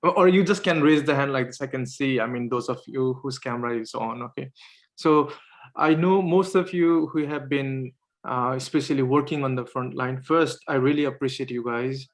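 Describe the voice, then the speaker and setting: A man's voice: medium pitch, moderate pace. A man whose first language is Nepali, moderating an online panel over a video call, hesitant, with many fillers and restarts.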